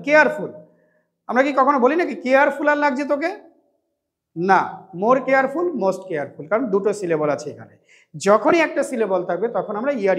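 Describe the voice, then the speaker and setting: A male English teacher at a coaching centre from West Bengal, giving a classroom lecture on translation. He asks and answers his own questions and slows down to dictate English sentences word by word. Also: high-pitched.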